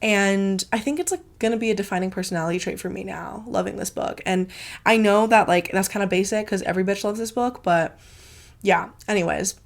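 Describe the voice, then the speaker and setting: A woman's voice: mid-range voice, brisk. A congested woman hosting her book channel, gushing in a casual, filler-heavy review with plenty of swearing.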